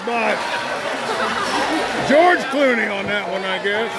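A man's voice: very high voice, unhurried. A man doing live play-by-play basketball commentary in a folksy, wisecracking manner. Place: indoor school gymnasium during a game. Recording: noisy gym with loud crowd. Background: crowd noise, bouncing ball.

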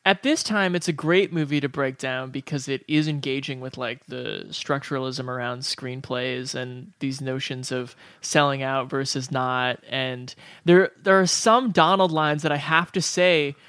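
A man's voice: mid-range voice, fairly even intonation, unhurried, hardly any pauses, fairly bright tone, clear, resonant tone, dry recording, studio quality. A man co-hosting a podcast, discussing films in a casual, analytical way and thinking aloud as he goes.

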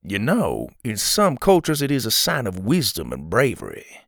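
A bearded storybook wizard speaks slowly, stretching his words, and his pitch leaps about with wonder, as a man reads him out. He turns giddy and eager at the smallest surprise. The sound is dry and close. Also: wildly swooping pitch, no room sound, exaggerated voice. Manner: slow, drawn-out, giddy.

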